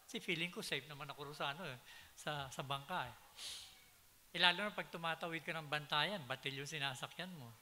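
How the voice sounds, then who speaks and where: A man's voice: fairly high pitch, brisk, sharp tone. A man preaching a sermon in a church, telling stories and switching into English phrases, building to emphatic peaks. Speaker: pastor. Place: church hall. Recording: hiss and long hall reverb.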